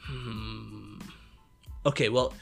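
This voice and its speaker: A man's voice: lowish voice, fairly even intonation, drawn-out words, creaky. Jokey frat-bro guy, music behind. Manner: frat-bro banter, says "yo", "bro" and "man" often. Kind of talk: casual comedic podcast banter.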